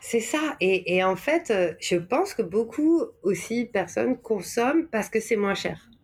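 A French-accented woman from Normandy, France speaks as a podcast guest in a reflective conversational interview. Her mid-range voice is slightly rough, with lively intonation and an unhurried pace. She searches for her words and puts stress on the key ones.

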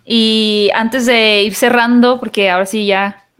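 A woman's voice: a little high, fairly even intonation, a little slow, a bit bright, clean tone. A young adult woman with a northern Mexican accent, hosting a podcast interview in a chatty, easygoing way. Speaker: podcast host, celebrity interviewer.

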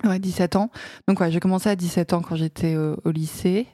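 Low, mellow young Frenchwoman chatting. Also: steady tone, a little fast, no echo, studio quality. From France. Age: 20s. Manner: hesitant, many fillers and restarts. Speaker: guest, fashion model. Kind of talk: casual interview chat.

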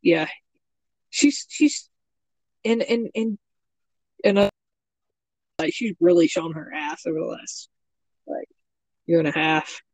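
A man's voice: a little high, takes it slowly, pauses often, no echo, poor audio. A man speaking as a podcast guest in casual chat, hesitant and stammering, laughing a lot.

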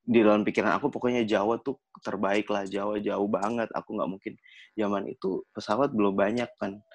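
Gravelly low-voiced man telling a story. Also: fairly quick, dry recording. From Manado, Indonesia. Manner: animated, slangy, jokey storytelling. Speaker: podcast guest. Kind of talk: casual storytelling chat. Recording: dull lo-fi, dry sound.

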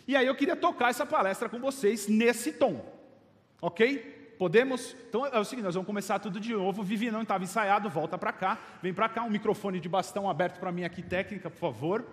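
A man's voice: sits high, brisk, big-room sound. A Brazilian man in his late thirties giving a humorous motivational talk from a stage, joking and chatting with the audience. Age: late 30s. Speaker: motivational speaker.

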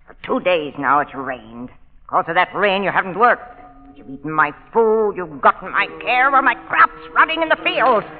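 An actress playing a cruel, imperious plantation mistress in old radio drama style, with a commanding, theatrical delivery. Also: female voice, lowish voice, lively intonation, normal speed, soft background music, close to an everyday voice. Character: cruel, imperious female plantation mistress enslaving drugged men. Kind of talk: 1940s radio drama acting. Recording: old muffled radio recording, long reverb.

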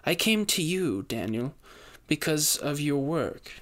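Man doing a frightened widow, higher voice, pleading, urgent. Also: very animated, takes it slowly, fairly bright tone, heavily acted. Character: anxious older widow pleading for help.

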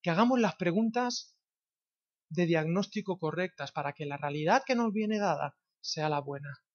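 A man's voice: on the high side, expressive, moderate pace. A man from preaching a sermon in a church, firing rhetorical questions at the congregation. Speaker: pastor. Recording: dull slightly lo-fi sound.

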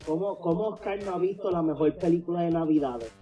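A man chatting as a podcast guest, his voice a little high but mellow in tone. He talks in a relaxed, easygoing way and slips English words into his Spanish. Faint music plays under the conversation. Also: fairly quick, dull audio. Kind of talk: casual chat.

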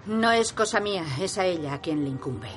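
An actress dubbing a blunt, foul-mouthed older grandmother who shouts and swears when worked up. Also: fairly low pitch, animated, fairly quick, faint music behind, lightly acted. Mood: bitter. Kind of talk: Spanish film dub.

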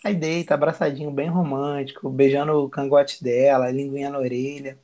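A man's voice: mid-range voice, level tone, brisk, warm tone. A man, a podcast guest talking in a crude, slangy, boisterous way. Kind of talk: casual chat.

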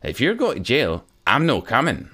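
A man voicing a gentle young Scottish woman in her twenties, a media student, in a read-aloud story. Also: medium pitch, wildly swooping pitch, moderate pace, husky, voice pushed up, exaggerated voice. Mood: teasing. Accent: Central Belt Scottish.

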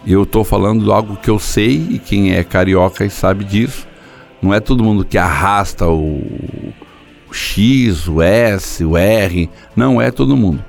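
A man's voice: fairly low pitch, unhurried, gravelly, faint music behind. An older man preaching a sermon, telling stories and acting out dialogues in different voices. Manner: storytelling, acts out dialogues in shifting voices. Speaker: pastor.

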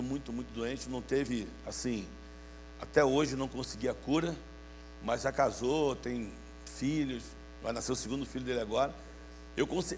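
Gravelly man preaching playfully from Rio. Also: a little high. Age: 50s. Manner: playful, calls out to listeners for responses. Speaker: youth preacher. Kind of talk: sermon.

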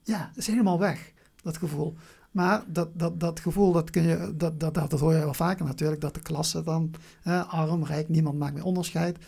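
A person with a southern Dutch accent talking reflectively in an interview, haltingly, often searching for words and repeating them. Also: medium pitch, fairly even intonation, gravelly, warm tone, slightly rough. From Venlo, Limburg, Netherlands. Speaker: interview guest.

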